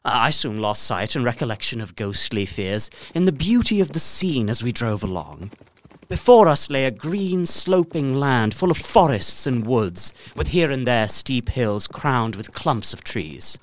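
An actor playing an earnest, uneasy gentleman traveller, narrating his journal in a deliberate, literary gothic drama style. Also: medium pitch. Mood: intent, wondering. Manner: literary, deliberate, expressive storytelling.

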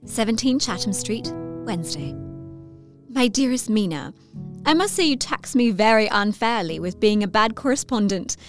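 Lovestruck young Victorian lady, higher voice, confiding, effusive, audio drama monologue, music behind. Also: animated, moderate pace. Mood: chatty, confiding. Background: music under the voice.

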